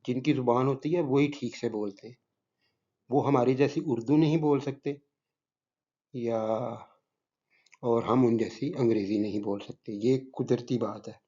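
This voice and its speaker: Pakistani teacher guy, soft mellow voice, earnest and humble, kinda muffled lo-fi audio. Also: mid-range voice, long pauses, husky. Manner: earnest, modest, advising. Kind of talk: lesson closing remarks to students. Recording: slightly muffled lo-fi recording.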